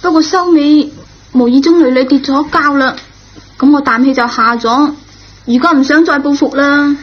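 Woman acting schoolgirl, high voice, earnest, pleading, radio drama, muffled lo-fi recording. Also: normal speed, lightly acted. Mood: remorseful, earnest. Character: impulsive, remorseful, good-hearted schoolgirl. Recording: dull, lo-fi old radio recording.

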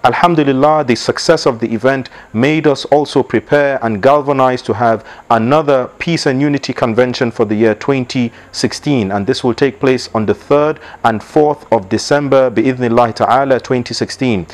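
A man in his thirties delivering a formal, measured promotional address. His voice sits at an ordinary middle pitch and is close and clean on a lapel mic in a book-lined room. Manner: measured, formal, opens with Arabic blessings. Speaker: organization leader. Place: indoor library with bookshelves.

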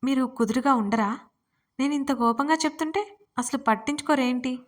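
A woman's voice: high voice, moderate pace, natural voice. A woman voicing a sulky, defiant young wife who talks in a pouting, indignant way.

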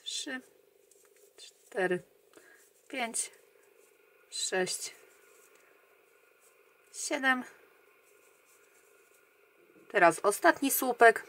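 Slow, calm woman counting crochet stitches. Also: on the high side. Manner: calm, counting stitches aloud, often trailing off quietly. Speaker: crochet tutorial host. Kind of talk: step-by-step crochet instruction.

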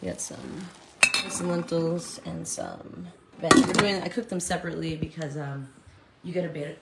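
A woman in her thirties with a raspy voice, chatting casually and dramatically to live stream viewers, repeating phrases for emphasis. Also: low-pitched, lively intonation, moderate pace. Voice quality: raspy from heavy singing. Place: open porch of a house and its garden, outdoors. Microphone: phone at arm's length. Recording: noisy outdoor phone recording.

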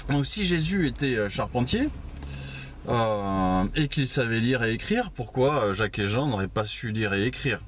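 A man's voice: mid-range voice, animated, moderate pace, a little hiss or hum. A man giving an informal Bible teaching at a house church, conversational, with many fillers and asides. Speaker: preacher.

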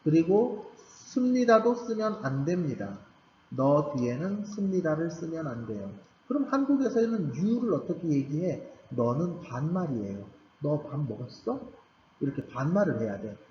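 A man teaches a beginners' Korean grammar class in a recorded lecture, patiently repeating key points with emphasis. His fairly high voice has big pitch swings, a normal speed, and a slightly mellow tone. The recording is roomy and slightly dull, with a faint background hum.

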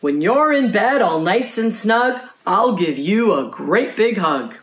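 A woman plays a big lady horse from a picture book. She is hearty and willing, calling out in rhyme with a very animated pitch. The room has a clear echo. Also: slow pace. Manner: hearty, sing-song rhyming. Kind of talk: children's picture book read-aloud.

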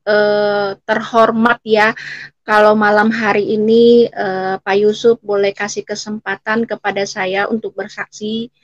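A woman, giving a personal testimony haltingly, repeating words and breaking off mid-word. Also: mid-range voice, level tone, no room sound, highs cut off, soft background music. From Selat Panjang, Riau, Indonesia. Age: late 40s. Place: indoor room, seated, on a video call.

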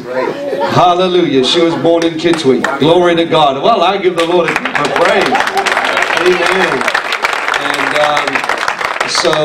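A middle-aged man from Africa preaching a charismatic church sermon, exclamatory and often repeating phrases for emphasis. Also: fairly high pitch. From grew up in Africa. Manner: exclamatory, punctuated with hallelujahs and amens. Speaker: guest preacher. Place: small church sanctuary, indoors. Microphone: handheld microphone, heard through the room. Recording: echoey church hall, distant, audience noise.

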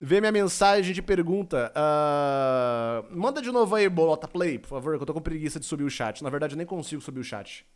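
Young man, Brazilian Portuguese accent, high-pitched, joking streamer, rambling chat, desk mic. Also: lively intonation, a little fast. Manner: playful, joking, reads chat aloud, rambling. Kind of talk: casual live-stream chat while gaming.

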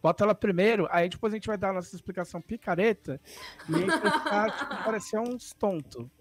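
Male writer, high and very lively voice, playful mock outrage. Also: quick pace. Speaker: guest writer. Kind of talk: casual panel chat on a live stream.

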